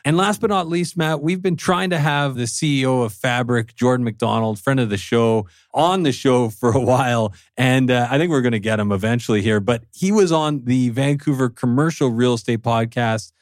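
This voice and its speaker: A man's voice: mid-range voice, normal speed, hardly any pauses, no room sound. A man hosting a podcast in a casual, chatty style, close to the microphone. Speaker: podcast host. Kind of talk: casual chat.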